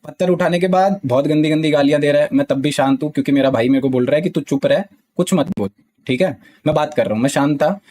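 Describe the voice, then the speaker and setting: A man's voice: a little high, fast talker, darkish tone. A young man with an Indian accent talks to his stream chat, heated and defensive, often repeating the same filler. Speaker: gaming streamer. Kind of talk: live stream talk to chat.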